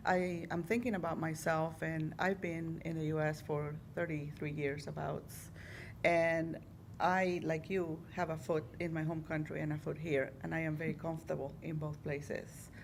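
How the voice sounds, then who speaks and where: Lady, middle aged, kinda low and gravelly, reflective group chat. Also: little pitch movement, normal speed, slight background noise. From Guatemala. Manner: reflective, encouraging. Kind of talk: casual discussion.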